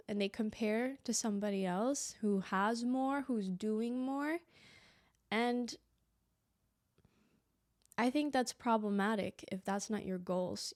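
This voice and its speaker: Young woman talking on her podcast, a bit stuffy and lispy, medium pitch, dry close sound. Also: a little mellow, no room sound. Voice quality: a bit lispy from a clear aligner. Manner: reflective, conversational, many fillers and asides. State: slightly stuffy from allergies. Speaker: podcast host. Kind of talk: casual solo podcast monologue.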